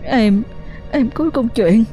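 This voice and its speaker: A woman voicing a young daughter who is crying, her voice pitched high and strained with desperation and defiance. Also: slow pace, warm tone, soft background music. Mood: sobbing. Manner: shrill, pleading then defiant.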